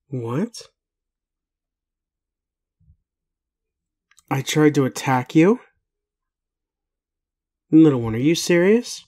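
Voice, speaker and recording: With a medium-pitched voice, a man acts as a drowsy, doubting werewolf tending lovingly to the listener in an intimate roleplay. He speaks softly and haltingly, sounding confused and gentle.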